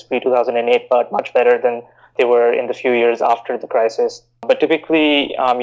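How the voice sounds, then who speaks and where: A man in his thirties from India, raised in Bahrain, answering interview questions in a measured, explanatory way with frequent "you know" fillers. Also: mid-range voice, darkish tone, muffled recording. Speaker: guest, investment banker.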